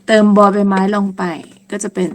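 A woman teaching a lesson on German numbers, speaking slowly and patiently and repeating each word several times. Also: medium pitch, monotone. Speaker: language teacher.

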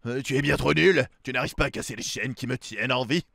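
A man voicing a menacing, gloating demon monster from a video game in a slow, booming villain monologue. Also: vocal fry, fairly bright tone, dry recording. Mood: taunting. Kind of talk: dramatic read-aloud of video game dialogue.

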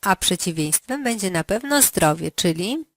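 A woman running a language lesson, giving slow, carefully articulated prompts for the learner to answer. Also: on the low side, animated, a bit bright, no echo, clean studio sound. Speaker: language teacher.

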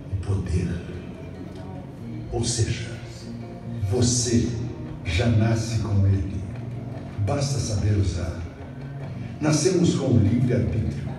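Guy, middle-aged, low voice, slow emphatic pep talk, played in a big echoey hall with music under it. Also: far from the mic. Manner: measured, emphatic, with dramatic pauses. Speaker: motivational speaker. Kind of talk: motivational opening speech. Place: video on a screen in a dark event hall. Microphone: phone filming the screen from the audience.

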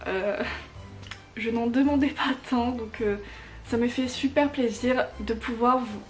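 A young woman talks through a product review vlog in a relaxed, chatty way, stopping often to hunt for the next word. Her voice sits a little high for a woman. Faint music plays softly underneath. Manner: chatty, frequent hesitations, enthusiastic about small items. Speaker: YouTuber reviewing gifts. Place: home room full of fairy lights.

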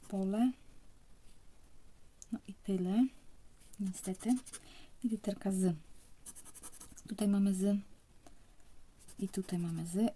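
Young woman, hushed casual commentary, mellow dark tone. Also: mid-range voice. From Poland. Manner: speaks softly, often near a whisper. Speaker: vlogger scratching lottery tickets.

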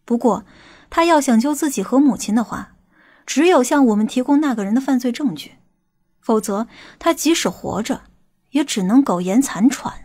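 High-voiced, stern policewoman, acted by a woman. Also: expressive, moderate pace, darkish tone. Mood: cool, stern. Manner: stern, scolding, commanding. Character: stern, sharp-tongued policewomen, commanding and scolding. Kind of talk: audiobook character acting.

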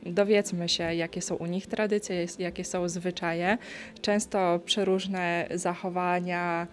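A woman's voice: fairly low pitch, flat delivery, slow pace. A young woman organizing the event explains its purpose fluently into an interviewer's handheld microphone indoors. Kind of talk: interview answer. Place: indoor gallery room. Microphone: handheld interview mic.

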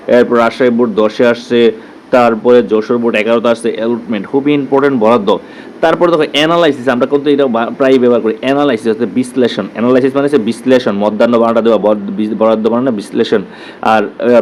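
A man with a Bangladeshi Bengali accent teaching an exam-prep lesson. He repeats each term slowly and checks in with "clear?". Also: mid-range voice, darkish tone, slight background noise, low-quality recording. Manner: drills terms, repeats words slowly, asks "clear?".

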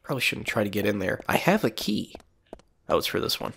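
Casual gamer guy, stuffy and sniffly, rambling chatter with a lowish voice. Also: lively intonation, a little fast, creaky, a bit bright, slight background noise. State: congested with a cold, sniffling. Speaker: gameplay commentator. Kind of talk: casual let's play commentary.

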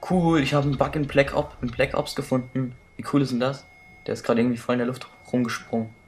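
A young man giving crude, excitable commentary while playing a shooter, swearing and shouting at enemies. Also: medium pitch, quick pace, faint music behind. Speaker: let's play gamer. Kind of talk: casual gameplay commentary.

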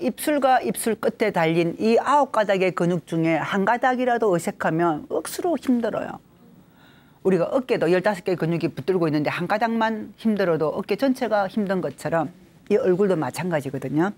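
A middle-aged woman with a Gyeongsang Korean accent gives a lively laughter therapy lecture in a medium-pitched voice, with a little hiss or hum in the audio. She's animated, leading the group through counting drills punctuated by bursts of laughter.

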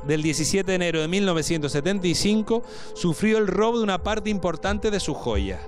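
A man's voice: high-pitched, lively intonation, brisk, over music. A young man hosting an entertainment quiz, chatty and playful, repeating phrases for emphasis into a handheld microphone. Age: young adult. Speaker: TV show host. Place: large TV studio set with seated audience.

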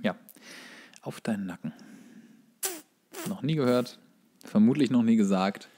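A man's voice: on the low side, unhurried, mellow. A man who co-hosts a podcast, chatting casually and comedically in a wry, sardonic manner. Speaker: podcast co-host.

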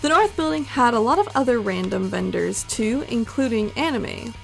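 A woman vlogger narrates over her footage in a chatty, playful way. Her voice sits a little high and has a gravelly fry to it. Soft music plays underneath. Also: lively intonation, moderate pace. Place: home voice-over recording.

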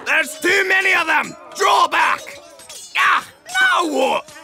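Battlefield soldier, yelling frantic orders, high pitch, voiced by a man. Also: slow pace, gravelly, some chatter behind, exaggerated voice. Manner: shouting, frantic. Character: embattled soldier fighting monsters.

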